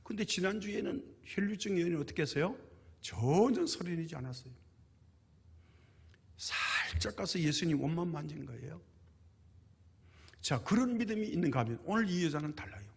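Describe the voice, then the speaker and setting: Husky-voiced preacher in an echoing church. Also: male voice, a little high, lively intonation, moderate pace, long pauses. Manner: emphatic, asks rhetorical questions and answers them. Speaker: pastor. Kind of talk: sermon. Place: church sanctuary. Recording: reverberant church hall.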